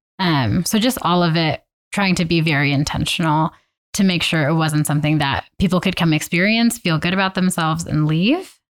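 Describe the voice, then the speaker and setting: Heard dry and close with no echo, a woman with an American accent speaks at a fairly quick pace in a fairly low voice with ordinary pitch variation. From Southern California. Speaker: community organizer, activist. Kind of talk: interview conversation.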